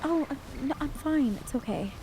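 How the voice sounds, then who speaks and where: A woman's voice: high-pitched, lively intonation, normal speed, background noise. An actress playing an anxious, homesick young woman with a wry streak in an audio drama, speaking casually. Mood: uneasy. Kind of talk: acted dialogue in an audio drama podcast.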